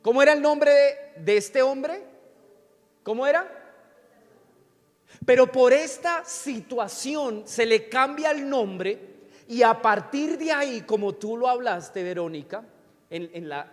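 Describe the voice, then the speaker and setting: A man, preaching a sermon in church and often asking the congregation questions. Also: extremely high pitch. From Colombia. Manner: teaching with frequent questions to the congregation. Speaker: pastor. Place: church sanctuary. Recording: church hall reverb with faint music.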